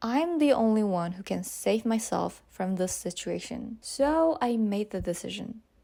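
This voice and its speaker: With a Korean accent, a woman speaks fairly slowly with hardly any pauses, her fairly high, dark and mellow voice showing lively intonation on a very clean recording with a silent background. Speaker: self-improvement YouTuber and life coach. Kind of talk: motivational talk to camera. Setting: speaking to a camera.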